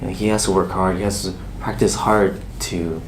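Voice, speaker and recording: A young man with a fairly low voice talks softly and reassuringly, leaning on "you know" as he goes. There is a faint hum of noise behind him. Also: fairly even intonation, moderate pace, poor audio. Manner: gentle, reassuring, many "you know" fillers. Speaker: K-pop idol answering a fan. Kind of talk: casual chat.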